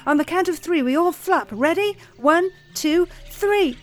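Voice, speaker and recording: A woman voicing a bossy male quail who shouts orders at the flock. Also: very high voice, lively intonation, a little slow, soft background music, voice pushed up. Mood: bossy shouting. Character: bossy loud-mouthed male quail in a net.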